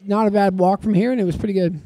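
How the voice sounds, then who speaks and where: A man from Ohio hosting a live podcast at a convention, chatty and quick to agree. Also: sits high, fairly even intonation, mellow, dry recording. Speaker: podcast host. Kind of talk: casual chat on a live podcast stage.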